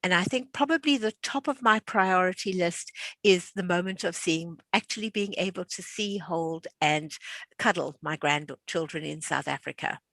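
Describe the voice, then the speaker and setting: In this casual hosted chat, a woman in her sixties leads an online class and laughs easily. Her lowish, slightly bright voice moves at normal speed, with no room sound.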